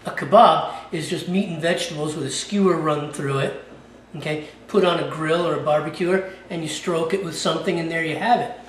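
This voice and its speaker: A man's voice: fairly high pitch, fairly quick, a little hiss or hum. A man hosting his own cooking channel and walking through a recipe in a casual, chatty way, often checking in with "okay?". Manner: chatty, keeps tagging lines with "okay?". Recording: echoey room, mic a bit far off.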